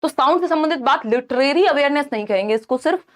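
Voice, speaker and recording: A young woman with a high voice teaches an exam-prep lesson. She walks through each answer by restating it and asking rhetorical questions along the way. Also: animated, fast.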